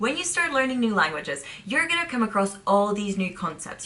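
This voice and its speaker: A woman with a Czech accent speaks with very wide pitch swings. Noticeable background noise runs under her voice. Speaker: language-learning YouTuber. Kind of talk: scripted educational vlog.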